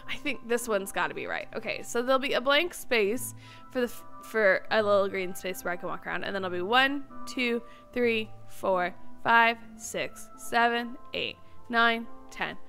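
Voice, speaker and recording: Bright, high-voiced woman chatting over gameplay. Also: measured pace, soft background music. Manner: chatty, expressive, exclaims and talks to herself. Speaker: host of a gameplay video series. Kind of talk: casual video game commentary.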